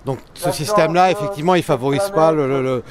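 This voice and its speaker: A man answering an interview spontaneously, halting and repeating words as he searches for them. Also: fairly high pitch. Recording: loud crowd noise behind.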